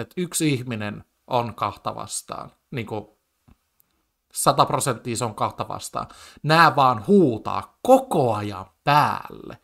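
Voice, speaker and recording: Male commentator, ordinary mid pitch, stammering and agitated, reacting casually. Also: bright, forceful tone. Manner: agitated, full of stammered restarts and fillers. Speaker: commentator reacting to a TV debate clip.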